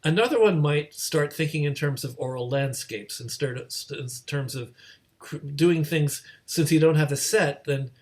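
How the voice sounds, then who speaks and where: A man's voice: a little high, normal speed. Hesitant man moderating a casual interview. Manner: hesitant, stammering, repeats word starts. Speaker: host, moderator.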